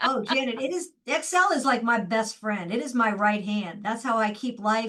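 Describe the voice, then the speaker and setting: A woman's fairly high voice, a plain, everyday voice, with lively intonation at a moderate pace and hardly any pauses. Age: 60s. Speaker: business chamber CEO and award-winning alumna. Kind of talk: interview conversation. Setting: video call.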